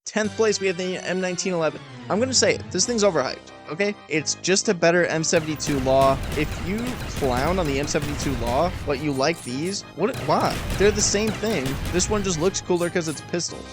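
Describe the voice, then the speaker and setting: A young man giving emphatic, profane weapon-ranking commentary, his throat tired and a little raspy. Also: a little high, a little fast, hardly any pauses. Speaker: gaming video host. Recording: voice-over with loud music behind.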